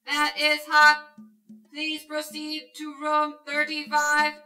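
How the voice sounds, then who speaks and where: A woman playing an emotionless, obedient female pleasure robot in a sci-fi radio drama, reciting in a robotic monotone. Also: sits high, takes it slowly, soft background music, full character voice. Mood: flat, obedient.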